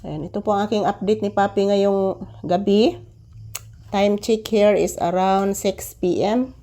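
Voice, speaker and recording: A woman's voice: mid-range voice, measured pace. A woman vlogging casually from her living room, coughing from a cold and coaxing her child between remarks to viewers. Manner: talks softly to a child, coaxing. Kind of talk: casual home vlog.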